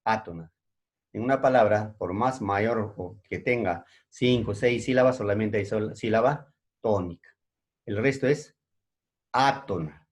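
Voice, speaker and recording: A man's voice: on the low side, unhurried. A man teaching a secondary school language class, who repeats each point and keeps checking in with his students. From Peru. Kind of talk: recorded language lesson.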